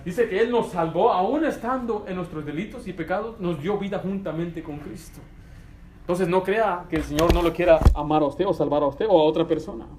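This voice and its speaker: A man's voice: high-pitched, fairly quick, darkish tone, a little hiss or hum. A young adult man preaching a conversational sermon as pastor, with anecdotes and acted quotes. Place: church sanctuary. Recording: echoey church room with faint ambience.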